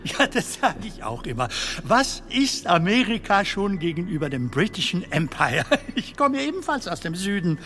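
An actor playing an elderly English comedian in a radio play, nervous, polite and chatty, with a hesitant, questioning manner. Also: male voice, sits high, sing-song, moderate pace, hardly any pauses, bright, forceful tone, heavily acted. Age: 70s.

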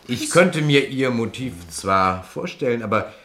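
An actor playing a shrewd, sardonic police detective in a German crime radio play, speaking in a deliberate, theatrical way. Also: male voice, mid-range voice, lively intonation, fairly bright tone. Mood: probing, needling.

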